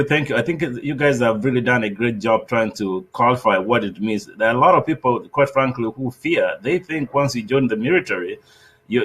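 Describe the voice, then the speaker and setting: Male panel host, halting speech. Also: mid-range voice, fairly bright tone, poor audio. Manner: hesitant, many uh fillers. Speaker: host, moderator. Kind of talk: panel discussion hosting.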